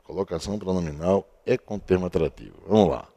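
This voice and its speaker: Low, dark-voiced teacher. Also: male voice, lively intonation, fast, creaky. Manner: explains step by step, asks and answers his own questions. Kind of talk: recorded grammar lesson. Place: at a board he writes on and erases.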